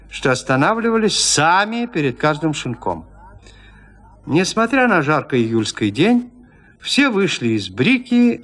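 A man narrating a classic story in a radio play, in an expressive, theatrical storytelling manner. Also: fairly high pitch.

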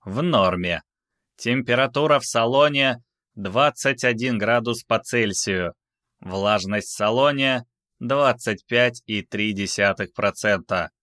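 A man voicing a calm, formal spaceship computer, reciting flight readings in a measured way for a science fiction audiobook. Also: mid-range voice, no room sound, studio quality. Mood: measured, impassive.

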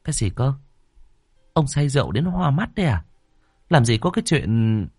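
A man voicing a sharp, skeptical young village woman in a spoken horror story, brusque and scolding. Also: mid-range voice, big pitch swings, moderate pace, breathy edge, no room sound, clean studio sound, pitched above the performer's own voice. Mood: scornful.

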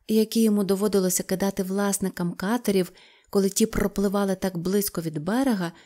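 A woman's voice: mid-range voice, mellow. Woman narrating a storybook. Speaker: audiobook narrator.

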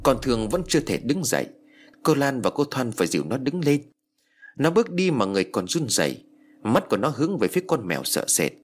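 A man narrating a ghost story in a dramatic, expressive style. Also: mid-range voice, a little fast, slightly rough.

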